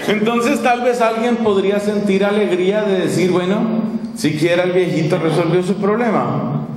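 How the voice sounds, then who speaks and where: A man preaching a sermon to nuns as a friar, animated and conversational, asking his listeners questions and acting out little scenes. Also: high voice, normal speed. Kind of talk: radio sermon. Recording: echoey hall, long reverb, faint ambience.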